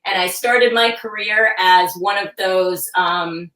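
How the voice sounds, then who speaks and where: A woman in her forties from New York's Hudson Valley, a guest author who sounds hoarse and groggy, telling her story in an upbeat, chatty way. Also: mid-range voice, steady tone, slow, pushed and bright, echoey room, far from the mic, rough recording. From Hudson Valley, New York. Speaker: children's book author, guest. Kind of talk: chatty interview answers.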